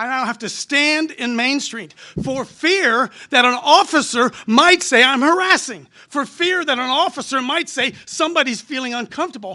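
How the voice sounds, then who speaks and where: Speaking in a raised, projected voice with an American accent, a man uses an extremely high pitch, a bright, sharp tone, ordinary pitch variation and a moderate pace. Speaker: street preacher. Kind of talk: public testimony. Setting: council hearing chamber. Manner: impassioned; loud.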